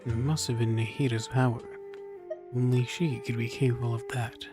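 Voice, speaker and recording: Female game streamer, exceptionally low register, playful read-aloud of dialogue, faint music underneath. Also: fairly even intonation, normal speed.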